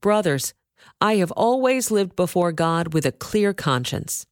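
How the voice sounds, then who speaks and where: A woman's voice: on the low side, big pitch swings, unhurried, dry recording, clean studio sound. A woman reading the words of a bold, defiant male apostle in a scripture reading.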